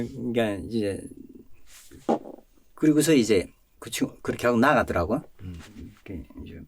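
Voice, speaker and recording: A man, a pastor, telling his personal testimony in an animated storytelling way, chuckling often and swinging between loud and soft. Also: medium pitch, husky. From North Korea.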